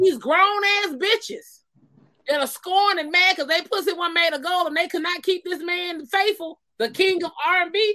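A woman's raised, projected voice, extremely high in pitch, bright, sharp and animated, with ordinary pitch variation and a moderate pace. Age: 40s. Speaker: podcast host. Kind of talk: casual chat. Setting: video call.

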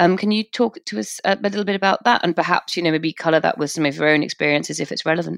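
A woman with a British accent, fairly low in pitch with vocal fry, lively intonation, a very fast pace and hardly any pauses, in a dry, close sound with no echo. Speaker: podcast host. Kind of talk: casual interview discussion. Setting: remote recording.

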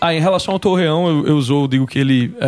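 Noticeable background noise sits under a man whose intonation stays fairly even. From Recife, Brazil. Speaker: pianist and youtuber. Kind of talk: casual interview conversation.

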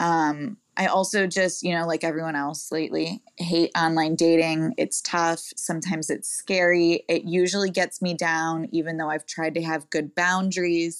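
On a very clean recording with a silent background, a woman with an unremarkable speaking voice talks at a moderate pace, fairly low in pitch, with fairly even intonation and hardly any pauses. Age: 30s. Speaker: caller asking for dating advice. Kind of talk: recorded listener question.

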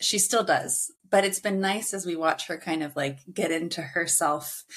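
A woman talks at a fairly slow pace in a fairly low pitch. The recording is very clean, with a silent background. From Seattle. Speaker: author and mental health advocate. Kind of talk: casual interview.

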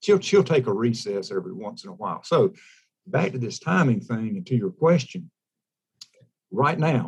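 The voice comes across as somewhat breathy. It speaks with a Southern US accent. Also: man. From South Carolina. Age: 50s. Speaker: wildlife biologist. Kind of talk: interview.

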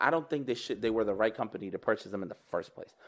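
Against a quiet background, a man uses an unremarkable speaking voice with lively intonation. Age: 30s. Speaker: podcast co-host. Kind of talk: casual chat.

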